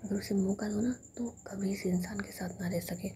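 A woman's voice: mid-range voice, fairly even intonation, normal speed, dark tone, a little hiss or hum, close to an everyday voice. A woman whispering the lines of an irritated young man who complains about his sister's partner. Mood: grumbling.

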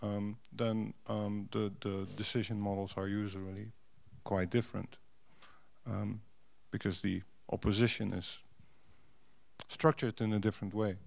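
This conference panelist, a middle-aged man whose first language isn't English, holds a handheld mic on stage and keeps restarting and using fillers. His lowish voice is gravelly, with little pitch movement and a measured pace.

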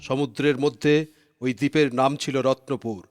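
A man's voice: medium pitch, fairly even intonation, moderate pace, natural voice. A man voicing an ancient, wise bird who tells old tales dramatically in a children's cartoon. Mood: solemn. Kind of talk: Bengali cartoon storytelling.

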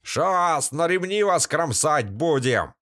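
A man voicing a crude, nasal-voiced bandit leader who shouts mocking taunts in an audiobook. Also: on the high side, expressive, slow pace, pitched above the performer's own voice. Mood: jeering taunts.

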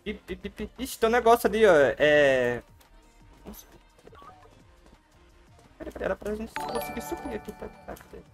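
A man's voice: high-pitched, very animated, moderate pace, creaky, long pauses, soft background music. A man with a Brazilian Portuguese accent, giving playful, joking gameplay commentary on a livestream and talking to his chat. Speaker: game streamer.

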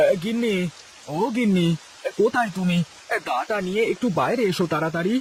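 Worried kindly landlord. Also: male voice, high voice, animated, a little fast, slight background noise. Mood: eager. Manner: calls out with a drawn "e-" before lines. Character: kindly village landlord, middle-aged man. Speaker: cartoon voice actor. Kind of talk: dubbed cartoon acting.

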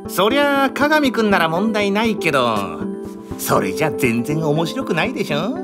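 An actor playing an easygoing, quietly confident male stage director with a breezy, playful manner in a voice drama. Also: sits high, sing-song, moderate pace, over loud music. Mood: breezily firm. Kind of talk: anime-style voice drama acting.

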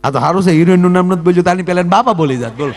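A man's voice: high voice, racing, background noise. A man performing folk comedy talk on stage, teasing the audience and jumping between jokes and asides.

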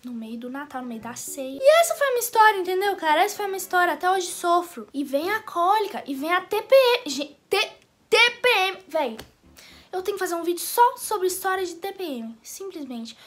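A young woman with a Brazilian accent telling a comic story in a dramatic, animated way for her vlog. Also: extremely high pitch, fairly quick. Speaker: YouTuber.

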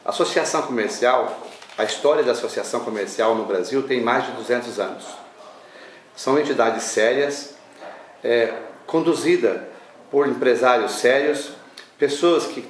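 An older man with a Brazilian accent, speaking as an association spokesman in an interview, halting between phrases and adding tag questions. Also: mid-range voice. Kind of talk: sit-down news interview. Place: small indoor newsroom office. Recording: roomy, distant mic, faint noise.

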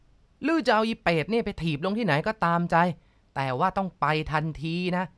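A woman voicing a brutal, violent middle-aged man who snarls threats in a slow, heavy way. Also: medium pitch, expressive, no echo, natural voice. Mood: menacing.

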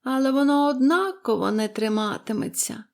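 A woman reads the part of a storybook character, a sullen, fretful, bedridden woman of forty, in a high, animated voice that is pushed up. The character speaks dryly and slowly, dragging her words out, her complaints sounding peevish and tired.

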